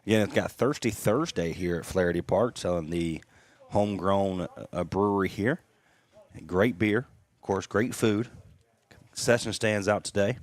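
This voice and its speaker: A man's voice: fairly low pitch, no room sound. A man giving casual, chatty color commentary on a radio baseball broadcast from a ballpark press box. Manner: casual, chatty, drawn-out fillers.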